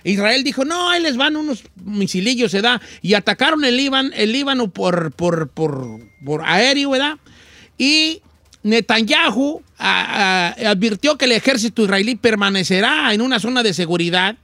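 High bright-voiced Mexican man joking. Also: expressive, moderate pace, dry recording. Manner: joking, slangy, stumbling restarts. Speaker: news show host. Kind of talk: comic news chat.

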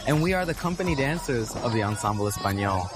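A man's voice: medium pitch, very animated, fast, music in the background. A man who is a company dancer, speaking earnestly and reflectively in an interview.

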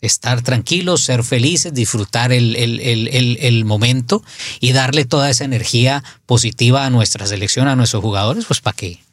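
A middle-aged man, a spiritual advisor, talking casually on radio with halting restarts. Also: mid-range voice, no echo, studio quality.

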